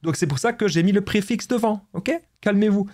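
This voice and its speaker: A man's voice: sits high, a little fast, darkish tone. A man with a Belgian French accent, a relationship coach speaking straight to his viewers in an emphatic, repetitive way and calling them friends. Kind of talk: direct-to-camera advice monologue.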